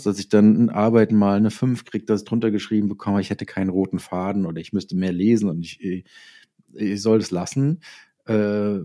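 A man's voice: on the low side, mellow. A middle-aged man speaking as an interview guest, telling things reflectively and often restarting his sentences as he goes. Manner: halting, self-correcting, reflective storytelling. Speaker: interview guest, audio drama writer and author. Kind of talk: conversational interview.

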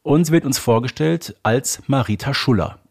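A man's voice: mid-range voice, normal speed, creaky, husky. A German man co-hosting a casual fan podcast, explaining things in a matter-of-fact, conversational way. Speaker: podcast co-host.

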